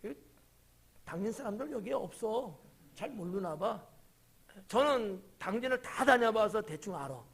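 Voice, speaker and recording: Husky chatty pastor quizzing the pews. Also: male voice, high voice, animated, a little slow, pauses often. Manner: chatty, quizzes the congregation by title; drops to whispers and rises to sudden shouts. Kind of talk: interactive Wednesday sermon. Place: church sanctuary.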